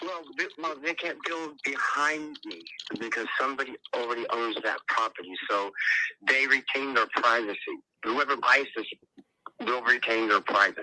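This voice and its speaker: Lively intonation from a man with a fairly high pitch at a moderate pace. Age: 60s. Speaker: home seller on a cold call. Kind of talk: phone conversation. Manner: halting, many fillers.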